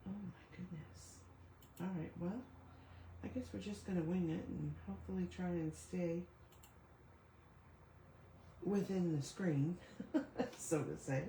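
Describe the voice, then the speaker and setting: A middle-aged woman with a low, gravelly voice made raspy by a cough. She talks casually and apologetically through a live paper craft demo. The room is echoey, with a faint hiss underneath. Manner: chatty, apologetic, thinking aloud over tech trouble.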